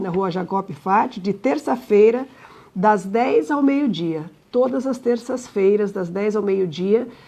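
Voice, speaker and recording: A woman speaks in an unremarkable speaking voice, pitched fairly high. Her intonation is lively. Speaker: spiritist center host. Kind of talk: livestream announcements. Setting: online livestream. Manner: casual.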